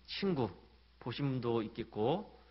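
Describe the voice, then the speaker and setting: A man's voice: medium pitch, lively intonation, unhurried, breathy edge, highs cut off. A man preaching a Sunday sermon as a pastor in a church, in a conversational storytelling manner with light humor. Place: church sanctuary.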